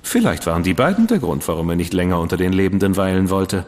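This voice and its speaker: An actor playing an ironic, theatrical dandy in a radio drama. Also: male voice, sits low, animated, fast, darkish tone. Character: witty, theatrical male dandy, ironic and fastidious. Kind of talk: German radio drama acting. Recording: long reverb with music behind.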